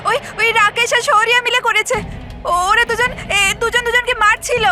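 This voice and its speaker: Very high-pitched, panicked young kidnap victim. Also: female voice, flat delivery, a little fast, exaggerated voice. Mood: shaken, breathless. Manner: panicked, stammering, pleading. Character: frightened young kidnap victim pleading for rescue. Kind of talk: TV crime drama acting. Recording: loud music over the dialogue.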